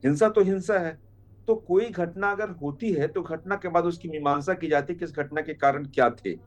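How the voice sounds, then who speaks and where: Higher-voiced man giving formal political analysis. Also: moderate pace. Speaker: panel guest commentator. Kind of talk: measured political analysis in a TV debate.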